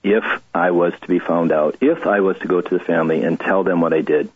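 A middle-aged man telling his story earnestly as an interview guest, halting and confessional. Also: sits low, steady tone, husky. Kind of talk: personal testimony interview. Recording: tinny phone-line radio audio.

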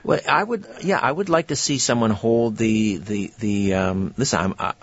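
A man's voice: on the low side, normal speed, breathy edge. A man hosting a call-in radio show, chatting easily with callers and often restarting his sentences. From Canada. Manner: relaxed, agreeable, many restarts. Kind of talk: casual call-in radio chat. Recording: muffled lo-fi radio audio.

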